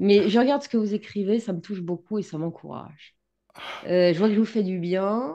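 The background is quiet. A woman talks in a dark, mellow tone. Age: 60s. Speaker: storyteller and lecturer; guest. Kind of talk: casual chat; interview answer. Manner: halting. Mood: grateful, emotional. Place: home room. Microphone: studio mic.

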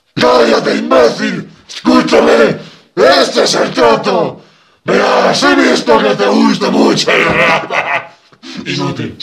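A man uses a raspy, put-on character voice. He speaks at a fairly slow pace with long, frequent pauses. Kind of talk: comic overacting. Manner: shouting, insulting, bossy.

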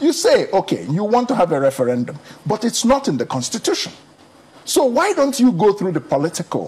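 A man with a high pitch, very wide pitch swings and a fairly quick pace. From Nigeria. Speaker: political commentator. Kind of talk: interview. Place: studio.

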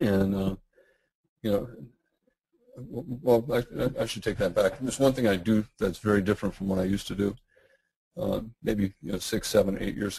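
A somewhat breathy, fairly low male voice with ordinary pitch variation at a moderate pace. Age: 60s. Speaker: trading educator presenting webinar. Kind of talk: lecture. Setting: online webinar with screen share. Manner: hesitant with fillers.

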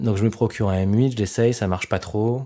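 On a very clean recording with a silent background, a man talks at a moderate pace in a fairly low voice with fairly even intonation. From France, Auvergne (Clermont-Ferrand). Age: 30s. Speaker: photographer. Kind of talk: personal monologue interview. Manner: halting, many hesitations.

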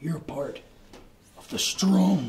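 Over light background noise, a man puts on a raspy character voice pitched fairly high. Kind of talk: scripted dramatic monologue. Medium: short film. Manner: intense, ranting. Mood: persuasive.

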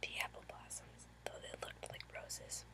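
A woman keeps a moderate pace while loud background noise fills the clip. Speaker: story reader. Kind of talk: storytelling read-aloud. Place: home room. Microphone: webcam.

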